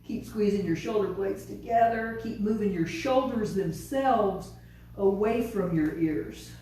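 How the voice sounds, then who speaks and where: A woman leads a yoga class with calm, patient, step-by-step cues. Her voice is mellow and soft-edged. She is heard from some way off the mic in a very echoey studio room with faint ambience behind her. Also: medium pitch, far from the mic, slight background noise. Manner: calm, unhurried step-by-step cueing. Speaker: yoga teacher. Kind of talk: guided yoga class instruction.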